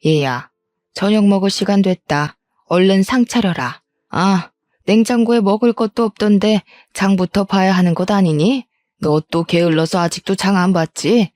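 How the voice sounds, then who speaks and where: A woman voicing a harsh, nagging middle-aged mother-in-law who belittles with rapid-fire questions. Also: mid-range voice, a little mellow, no room sound, close to an everyday voice. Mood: scolding.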